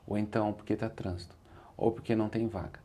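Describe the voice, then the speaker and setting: A man's voice: fairly low pitch, steady tone, quick pace, dark tone, slight background noise. A man with a Brazilian Portuguese accent, an interview guest and motivational speaker, telling his story in an earnest, reflective way. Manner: earnest, repeats "said like this" when quoting himself.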